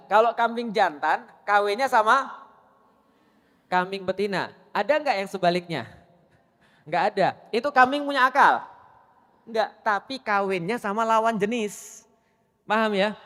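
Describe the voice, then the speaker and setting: A male preacher with a notably high voice, giving a sermon to a gathering of women. He keeps quizzing them with quick questions, and the long echo of a hall hangs behind his words. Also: a bit bright. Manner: quizzes the audience with rapid questions. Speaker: Islamic preacher.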